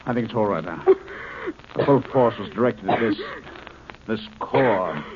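A man plays an earnest American scientist hero in 1950s radio drama style. His voice is fairly low and very expressive, dramatic and strained with desperation. The vintage recording sounds dull, with a light layer of noise. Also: natural voice. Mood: urgent. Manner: urgent, earnest, dramatic, halting under strain.

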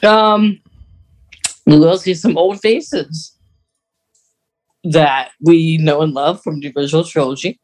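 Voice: mid-range voice, takes it slowly, long pauses, poor audio. A podcast co-host chatting casually about a radio drama, explaining things in a rambling, hesitant way.

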